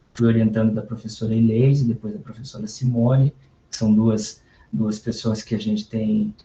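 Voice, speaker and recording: A man speaks at a moderate pace with a medium pitch and a dark, mellow tone. His voice is somewhat breathy and his intonation monotone and flat. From Paraná, southern Brazil. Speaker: university professor. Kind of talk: class introduction. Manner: halting, many repetitions.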